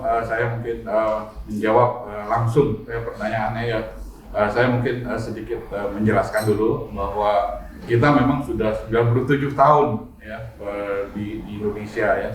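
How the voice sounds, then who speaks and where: A man in his sixties from Bandung with a Sundanese accent, answering interview questions calmly with many fillers. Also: on the low side. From Bandung, West Java. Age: 60s. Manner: many "eh" fillers, measured and friendly. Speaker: guest, former company president. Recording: roomy distant mic with faint noise.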